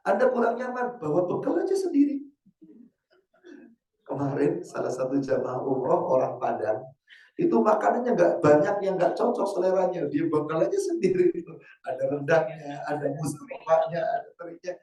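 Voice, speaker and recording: A man, an Islamic teacher, giving a casual sermon to a women's study group, quizzing the audience with rhetorical questions and reciting verses slowly. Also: fairly high pitch, sing-song, dark tone. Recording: roomy hall, mic far off.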